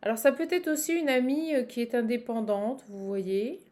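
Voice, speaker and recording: A woman's voice: on the high side, moderate pace, a little mellow. A woman with a Parisian French accent giving a casual improvised card reading to viewers, chatty and exclamatory, repeating herself and breaking off mid-thought. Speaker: tarot card reader and channel host.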